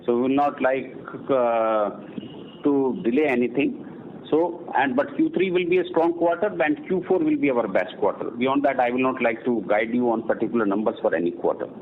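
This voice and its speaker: A man's voice: mid-range voice, normal speed. A man with an Indian accent answering firmly and emphatically as a senior company executive on an earnings conference call. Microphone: conference phone call. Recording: narrowband phone line with faint noise.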